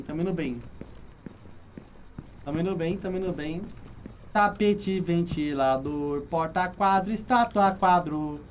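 A Brazilian man streaming a game, drawling slowly and low-key as he ticks off objects one by one under his breath. He chats with his viewers in an easy, unhurried way. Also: a little hiss or hum. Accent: Brazilian Portuguese. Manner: murmurs a running checklist of objects, talks to chat. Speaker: gaming streamer. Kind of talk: casual let's-play commentary.

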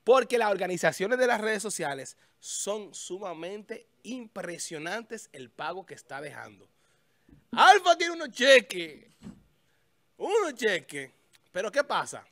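A man hosts a casual studio talk show, speaking high in his range into a stand mic. The sound is dry and close. He thinks out loud, restarting phrases while he looks things up. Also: very animated, unhurried, no echo. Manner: talks while searching a website, thinking aloud with restarts. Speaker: show host. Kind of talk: casual on-air chat. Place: small studio with a festive desk.

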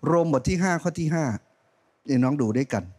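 This middle-aged pastor, preaching fast and animatedly into a handheld mic from a church stage, moves from loud, rising calls down to soft, low asides.

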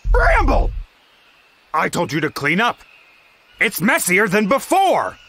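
A man's voice: high voice, huge pitch swings, slow pace, very noisy, heavily acted. A man voicing a bossy, exasperated older-brother cartoon bear in an emphatic, scolding manner. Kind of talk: animated cartoon dubbing. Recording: music behind the voice. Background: cartoon background music.

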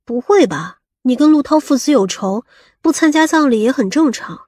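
A woman playing a sharp-tongued, coquettish lover in an audiobook, pouting and reproachful. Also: high voice, animated, normal speed, no echo, studio quality. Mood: wary, reasoning.

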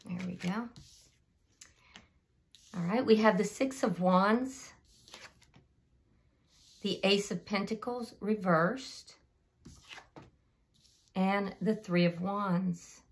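Slightly hoarse woman reading tarot. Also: mid-range voice, slow pace, pauses often. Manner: addresses the listener directly, unscripted. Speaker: tarot reader and channel host. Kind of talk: casual tarot card reading to camera.

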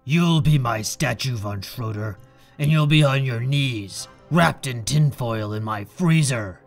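A man's voice: mid-range voice, measured pace, creaky, faint music behind. A man playing a cold, proud, defiant hero in an audio drama, speaking with curt, controlled contempt. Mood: defiant, threatening. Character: cold, proud, defiant man guarding his younger brother. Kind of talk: fan audio drama acting.

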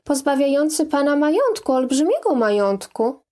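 A woman's voice: high voice, very animated, normal speed, warm tone, voice pushed up. A woman reading the part of an anxious young lady of the manor, speaking earnestly and pleading. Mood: pressing.

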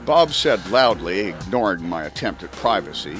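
A man narrates a spy audiobook with theatrical emphasis. His fairly low voice swings widely in pitch, and faint music plays behind him. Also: very animated, moderate pace. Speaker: audiobook reader. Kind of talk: dramatic first-person spy story narration.

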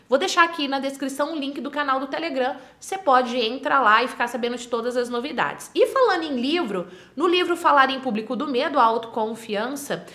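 Brazilian woman teaching in a roomy echo. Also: high voice. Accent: Brazilian Portuguese. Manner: energetic, asks herself questions and answers them. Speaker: persuasion mentor. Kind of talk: direct-to-camera teaching.

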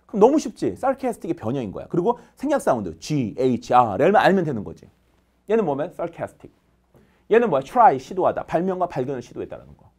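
A man teaching English vocabulary in a lively lecture, drilling students with call-and-response and counting off answers. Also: on the high side.

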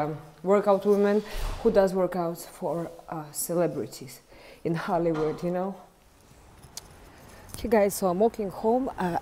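A young woman with a Russian accent vlogs casually, candid and playful, filming on a phone held at arm's length as she moves from home to the gym and then outdoors onto a city street. Her voice is medium-pitched with a dark tone, and there's a slight hiss or hum in the audio.

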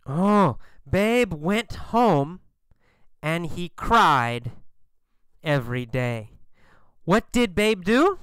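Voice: mid-range voice, very animated, drawn-out words, pauses often, fairly bright tone, clean tone, no echo, clean studio sound. A teacher telling a story as a question-and-answer lesson, drilling each point with repeated questions and emphatic answers. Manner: emphatic, exaggerated delivery. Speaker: English teacher.

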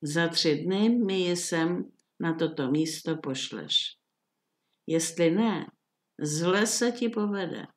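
A woman voicing a fierce, monstrous beast from a fairy tale, speaking in a booming, threatening way. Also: expressive, close to an everyday voice.

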